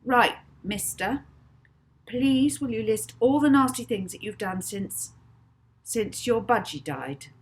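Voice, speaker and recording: Woman voicing a bossy sharp girl, blunt and scornful, raised pitch, slow commanding lines. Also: lively intonation, slight background noise.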